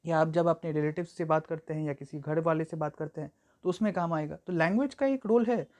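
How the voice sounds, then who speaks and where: A young woman tutor gives a long exam-prep lecture in a mix of Hindi and English, using frequent fillers. She has a low, darkish voice and slows down to read English example sentences aloud slowly and deliberately.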